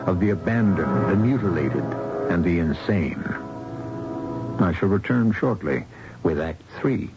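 A man hosting a radio mystery drama with theatrical, ominous, deliberate narration. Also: deep voice, lively intonation, loud music behind the voice. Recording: dull old radio broadcast.

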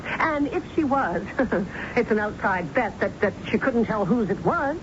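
An actress playing a domineering, wounded middle-aged businesswoman and mother with an American accent, brisk and emphatic in a radio drama. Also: lively intonation. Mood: scornful, commanding. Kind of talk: 1970s radio drama acting. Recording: muffled, noisy, rumbly old radio broadcast recording.

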